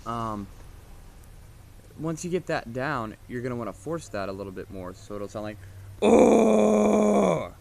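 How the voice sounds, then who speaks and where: A man's voice: on the low side, moderate pace, long pauses. A man giving a casual, loosely explained how-to lesson as a vocal instructor, in an informal, repetitive way. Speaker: vocal screaming tutorial instructor. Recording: noisy homemade recording, steady background noise.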